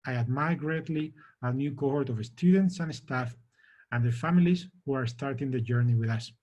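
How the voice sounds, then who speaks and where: A middle-aged man, head of a school, giving a measured and earnest welcome address to his community. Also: medium pitch, darkish tone, lo-fi sound. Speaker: head of the college.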